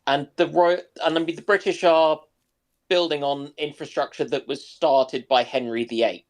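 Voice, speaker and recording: A man's voice: on the high side, steady tone, moderate pace. A man chatting as a panelist, musing aloud in a hesitant, discursive way. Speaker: panelist on a history live stream. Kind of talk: casual discussion.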